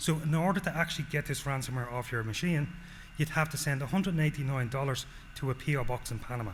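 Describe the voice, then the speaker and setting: A very fast, somewhat breathy male voice with an Irish accent, fairly high in pitch with ordinary pitch variation. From Ireland. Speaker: solutions engineer. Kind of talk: presentation.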